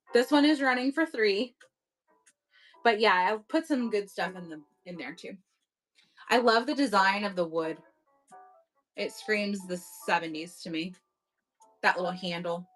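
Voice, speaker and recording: A woman's voice: fairly high pitch, a bit bright, poor audio. A woman hosting a casual live online auction from home, chatty and upbeat, thanking bidders as she goes. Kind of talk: casual live-selling chat. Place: home at night.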